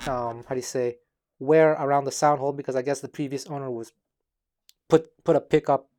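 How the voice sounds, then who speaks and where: A man from Montreal, Quebec, with a slightly high voice talks straight to the camera about his background. Taiwanese was his first language, and he picks his words with care and fills his pauses with um and uh. He has the relaxed, thoughtful pace of a guitar teacher explaining something to his students. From Montreal, Quebec, Canada. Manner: measured, careful with his words, with frequent um and uh. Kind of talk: talking-to-camera video essay.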